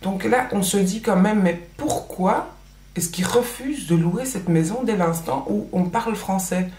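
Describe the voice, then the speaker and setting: A woman's voice: mid-range voice, a little slow, a little mellow, echoey room. A woman in her thirties from Belgium, Dutch her first language, chatting casually with a Belgian French accent, full of fillers and restarts. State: pregnant. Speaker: vlogger. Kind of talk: casual chat while doing makeup.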